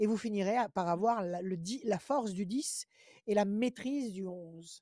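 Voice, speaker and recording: In a dark, mellow tone with ordinary pitch variation, a woman speaks in a dry, close sound with no echo. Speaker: radio psychic answering callers. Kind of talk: tarot reading for a caller on radio call-in.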